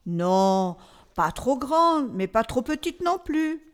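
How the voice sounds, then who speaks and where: Actress as a lively, high-voiced storyteller. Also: female voice, slow pace, smooth, heavily acted. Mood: storytelling. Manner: hesitant, coaxing, as to a child. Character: patient but increasingly flustered woman storyteller. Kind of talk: acted comic radio storytelling dialogue.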